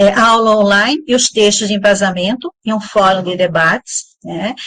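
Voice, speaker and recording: Speaking at a moderate pace, a woman uses an ordinary speaking voice at medium pitch. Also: ordinary pitch variation. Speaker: university lecturer and researcher. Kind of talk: online lecture.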